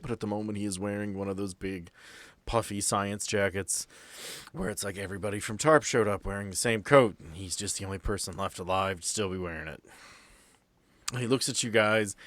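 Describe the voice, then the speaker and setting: A man's voice: on the low side, no room sound. A man narrating a tabletop role-playing game as game master in an improvised, conversational way. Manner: casual, conversational.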